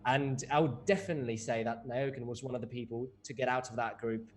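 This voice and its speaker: A man co-commentating an esports match, measured and analytical, with frequent "you know" fillers. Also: medium pitch, fairly even intonation. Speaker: esports co-caster. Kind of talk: live game commentary.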